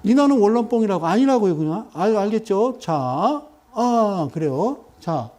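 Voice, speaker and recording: A middle-aged man lecturing viewers over a stock chart, animated and full of rhetorical questions and sudden exclamations. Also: high-pitched, measured pace.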